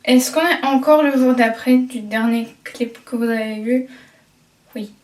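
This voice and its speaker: A woman's voice: a little high, measured pace, darkish tone, recorded from a distance. Chatty young woman in an echoey room. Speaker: vlogger. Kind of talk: casual vlog chat while tidying. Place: her bedroom, indoors. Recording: echoey room, voice from off-mic, faint background clatter.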